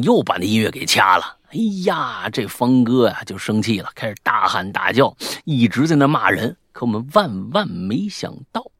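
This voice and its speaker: Lively, husky-voiced man telling a story. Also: no echo, studio quality. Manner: lively, mimics characters with sudden high-pitched outbursts. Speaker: podcast host reading a listener's story. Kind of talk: animated storytelling read-aloud.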